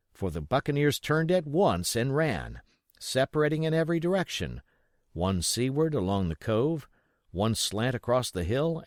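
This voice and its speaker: A man narrates an adventure novel with expressive, dramatic storytelling. His middle-range voice moves widely up and down, and the recording is close and dry with no room sound. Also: mid-range voice, dry recording. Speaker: audiobook reader.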